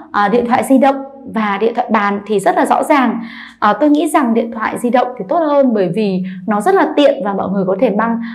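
A woman's voice: on the high side, darkish tone, rough recording. Vietnamese-accented woman teaching English. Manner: switches between slow drilled English words and quick explanations. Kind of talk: bilingual classroom lesson.

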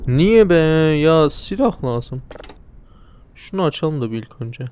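A man's voice: a little high, lively intonation, unhurried, a little mellow. A young man casually commenting on a video game, joking and talking back to the characters and the viewers. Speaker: let's play commentator.

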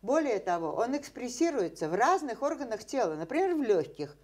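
A woman's voice: a little high, very animated, brisk, a little mellow. An older woman, a scientist guest in an interview, explaining ideas at length with many fillers and rhetorical questions, seated in a dim indoor room.

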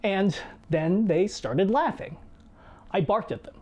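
A man in his thirties reading a scripted personal video essay in a measured, reflective way, seated in a small home studio. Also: high voice, animated. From United States. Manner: measured, reflective storytelling with quiet asides. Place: small home studio room with guitars and shelves.

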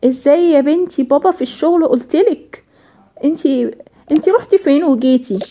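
Woman playing a soothing, patient Egyptian mom in a cartoon, high and quick. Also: dark tone. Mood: doubtful. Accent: Egyptian Arabic. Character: gentle caring mother of a young girl.

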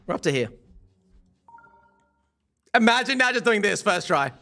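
A young man streaming a game live, excitable and worn-voiced, swinging from mumbles to yells. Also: sits high, normal speed. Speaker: gaming streamer. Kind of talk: live-streamed gameplay chat.

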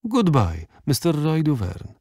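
A man reading an audiobook, voicing a proud, disdainful old lady who speaks stiffly and slowly. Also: fairly high pitch, huge pitch swings, warm tone, no echo, studio quality, voice pushed up, exaggerated voice. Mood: haughty.

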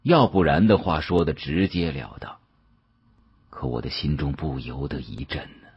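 Husky, deep-voiced male storyteller. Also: moderate pace, no echo, dull audio. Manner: colloquial, expressive storyteller. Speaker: audiobook narrator. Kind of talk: dramatised first-person storytelling.

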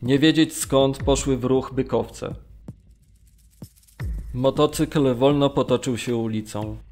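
A man acting a sombre Polish camp survivor recounting his memories in a measured audio drama reading. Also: medium pitch, steady tone, darkish tone, soft background music, natural voice. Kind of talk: dramatised documentary memoir reading.

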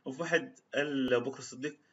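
A man speaking with an Egyptian Arabic accent moves briskly through a religious talk told as a string of stories. He slips into formal classical Arabic whenever he recites a quote. The sound is a little dull and lo-fi. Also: mid-range voice, fairly even intonation.

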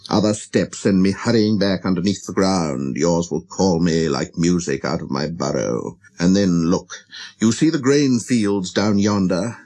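Man voicing a low, wistful storybook fox. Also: a little slow, warm tone. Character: lonely, gentle, wistful wild fox. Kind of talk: storybook character reading.

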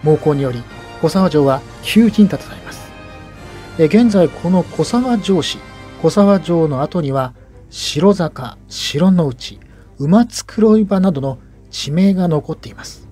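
Bright-less, mellow higher-pitched male history guide. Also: lively intonation, slow pace, soft background music. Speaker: local history guide and narrator. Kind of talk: explanatory historical narration.

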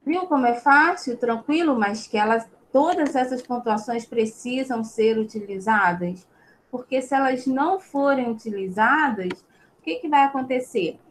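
Brazilian woman schoolteacher, a bit high-voiced, patient and encouraging, lecturing her class with a faint hiss behind her. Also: normal speed, poor audio. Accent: Brazilian Portuguese. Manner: patient, checks in with frequent tag questions.

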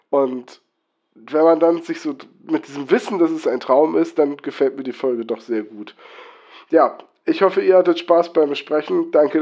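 A man gives a casual spoken review as a podcast co-host. His voice is a little high for a man. The recording sounds somewhat dull and lo-fi. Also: a little mellow.

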